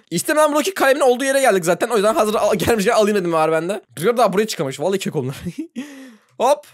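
A young man commenting on a game as he plays with friends, excitable, laughing often and shrieking when surprised. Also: high-pitched. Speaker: gaming YouTuber. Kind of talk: let's play commentary.

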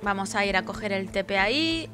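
Casting note: sleepy woman gamer, talkative and foul-mouthed, dramatic in fights, game music clear underneath. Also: medium pitch, expressive, fairly quick. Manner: chatty, swears freely, dramatic cries for help during fights. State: tired, sleepy. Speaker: gameplay streamer. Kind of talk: casual gameplay commentary.

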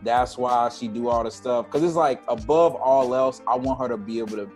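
A man's voice: medium pitch, normal speed, faint music behind. A man in his thirties, a guest musician, chatting animatedly on a video call through an earbud headset from a room at home. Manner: animated, scats drum rhythms and freestyles. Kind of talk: casual video-call chat. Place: home room with jazz tapestry and string lights.

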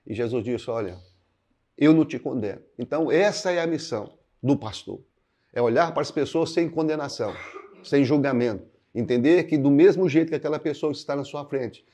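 A man in his sixties from Minas Gerais, a pastor, answering interview questions to camera in an unhurried, reflective way, hunting for words and often adding tag questions, recorded with a lapel mic in a living room. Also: mid-range voice, darkish tone. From Minas Gerais, Brazil. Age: 60s. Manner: unhurried, searching for words, frequent "né" fillers, gestures with both hands. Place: indoors, living room with paintings. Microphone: clip-on lapel mic.

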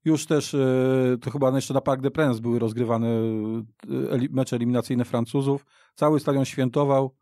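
A man's voice: mid-range voice, steady tone, normal speed, dark tone, no room sound, clean studio sound. A middle-aged man reminiscing in a casual football discussion, rambling and repeating himself as he tells the story. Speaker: football podcast guest. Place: radio studio.

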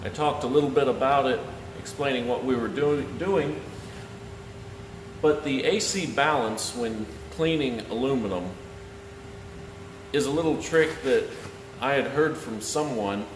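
Guy doing a how-to video in a big echoey shop, slow talker, noisy background. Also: mid-range voice. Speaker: welder and video host. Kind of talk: instructional talk to camera. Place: large metal-walled welding shop, indoors. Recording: echoey workshop with clear background noise.

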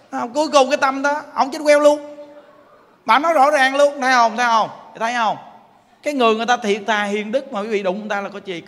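A Buddhist monk with a Southern Vietnamese accent, telling a story in a lively, animated sermon. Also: male voice, extremely high pitch. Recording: reverberant hall, faint noise.

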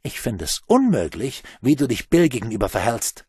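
A man voicing a furious woman who scolds her lover in sharp, accusing tones. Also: mid-range voice, sing-song, normal speed, slightly rough, no room sound.

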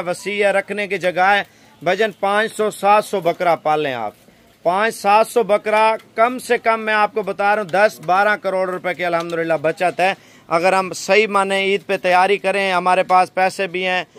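A young Pakistani man with a high voice talks straight into a phone camera held at arm's length. He makes a persuasive sales pitch from an outdoor goat pen. He fills his talk with pious stock phrases. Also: a bit bright. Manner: persuasive, salesy, heavy religious fillers. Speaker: goat farm seller.

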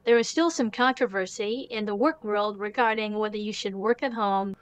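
A woman's voice: mid-range voice, normal speed, smooth, dry recording. An adult woman's voice produced by an AI voice changer, reading voice-over narration.

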